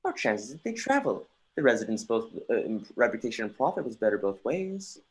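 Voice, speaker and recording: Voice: mid-range voice, very animated, brisk, breathy edge. An actor reading a melancholy, theatrical young prince. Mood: curious, wry. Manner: theatrical, declamatory, with occasional stumbles. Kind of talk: dramatic reading of Shakespeare. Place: remote livestream from home.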